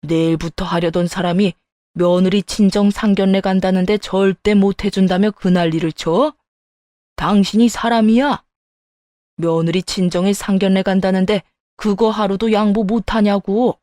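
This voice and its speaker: A blunt, furious older father-in-law, played by a woman, barking harsh commands in a spoken family story. The voice sits at a middling pitch and is recorded dry and close. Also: steady tone, normal speed, dark tone, no room sound, natural voice. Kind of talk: storytelling dialogue.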